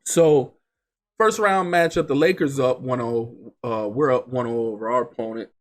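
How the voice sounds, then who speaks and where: A man's voice: medium pitch, normal speed. A congested man getting over an illness, casually commenting on a basketball video game simulation and rattling off player stats. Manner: reels off stats, chatty and excitable. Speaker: gaming channel host.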